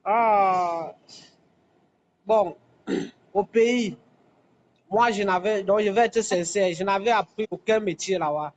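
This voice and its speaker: Man, caller, quite high voice, faint background ambience, hesitant, repeats himself. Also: takes it slowly, long pauses, lo-fi sound, a little hiss or hum. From Cameroon, anglophone South-West. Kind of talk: phone-in call to live stream. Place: construction site.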